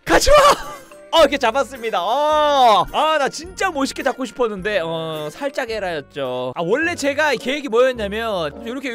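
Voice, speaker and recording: A young man commentating his own gameplay, excitable and teasing, often yelling at enemies on screen. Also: very high-pitched. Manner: excitable, shouts and teases enemies. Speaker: gaming streamer. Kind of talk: let's play commentary.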